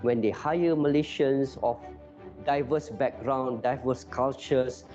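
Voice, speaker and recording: A man speaking as an investment agency spokesperson in a promotional interview, measured and emphatic. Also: mid-range voice, steady tone, warm tone. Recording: dull lo-fi audio with music bed. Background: background music.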